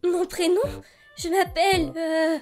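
A woman's voice: very high-pitched, level tone, takes it slowly, soft background music. A woman voicing a panicky, bewildered young female jester in a French cartoon fan dub, stammering anxiously. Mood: frantic.

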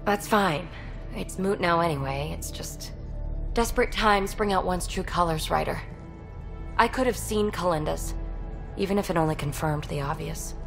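A woman's voice: lowish voice, normal speed, vocal fry, over music. A woman playing a young, impulsive alien explorer in a video game, wry, casual and earnest. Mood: troubled. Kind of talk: video game cinematic acting.

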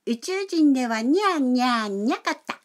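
Woman voicing a curious high little cat. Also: animated, normal speed. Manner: asks polite, eager questions. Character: curious young cat, eager student. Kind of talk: educational dialogue.

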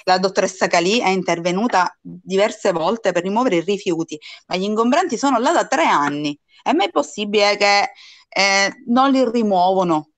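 A woman's voice: medium pitch, lively intonation, normal speed, no room sound. Woman, dry close sound. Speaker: district councillor. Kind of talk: spontaneous complaint in a meeting. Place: online video call.

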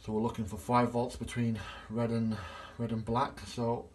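Talking at a normal speed in a completely flat, mid-range voice, a middle-aged gas engineer shows how to carry out a boiler test. He films the small workshop himself on his phone and keeps the explanation plain and step by step.

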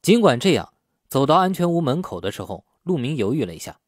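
A man's voice: medium pitch, sing-song, quick pace, dry recording, studio quality. A man narrating a novel as a scripted audiobook.

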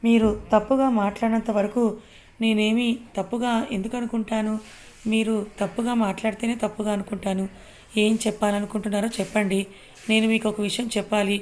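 Steady storybook read of a woman doing a sharp, guarded young wife; keep it level. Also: medium pitch, a little fast, lightly acted. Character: young married woman, guarded and quick to anger.

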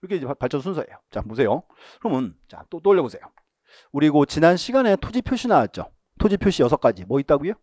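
A male lecturer gives an exam-prep lesson, posing questions and answering them himself, repeating key terms, and telling students what to mark in the book. He talks fast in a sing-song way, his voice a little high with a darkish tone, and the recording is dry.

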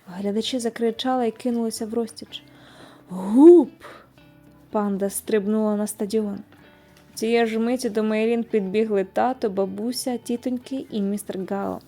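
A woman narrates an audio fairy tale in an expressive, lively reading. Her voice sits fairly high and sounds soft and mellow. Gentle music plays under her reading. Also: moderate pace. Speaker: storyteller.

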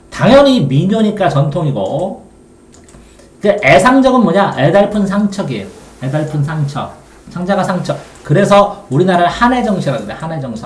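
A male tutor with a high, animated voice that swings up and down as he teaches. He explains each point step by step and keeps asking his students if they follow. The sound is roomy and echoey. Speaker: Korean literature tutor. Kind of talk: exam-prep lecture.

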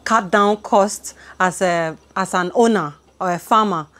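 A woman's voice: medium pitch, unhurried, a bit bright. Young woman hosting outdoors. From Ghana. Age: young adult. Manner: enthusiastic, frequent affirmations. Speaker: channel host. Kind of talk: interview and presenting to camera. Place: outdoor terrace with hills behind. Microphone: lapel mic.

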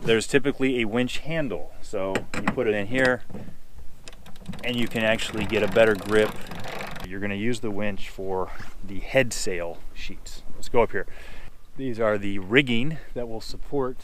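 Male sailing instructor, 40s, lowish voice, patient explainer, on a boat with faint background noise. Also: moderate pace. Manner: patient, explanatory, asks and answers own questions. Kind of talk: hands-on instructional walkthrough. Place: outdoors on a small sailboat at a dock.

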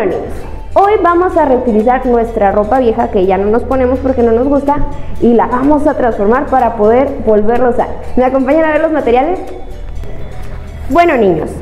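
A woman's voice: high-pitched, mellow, muffled recording. A young woman with a Mexican accent presenting stories and crafts to children in a sing-song way, often asking them questions. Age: young adult. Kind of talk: storytelling and craft instruction for children. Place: indoor studio with painted wall. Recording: echoey room, music behind.

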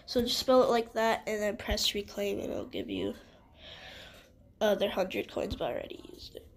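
A woman's voice: mid-range voice, big pitch swings, moderate pace. A woman with a stuffy nose giving rambling, hesitant casual gameplay commentary as a gaming channel host. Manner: rambling, hesitant with many ums and restarts.

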